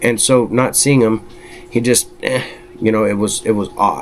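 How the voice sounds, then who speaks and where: Music plays in the background. A man speaks at a fairly low pitch with fairly even intonation. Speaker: storyteller of sasquatch accounts. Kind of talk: storytelling monologue. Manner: halting, many fillers.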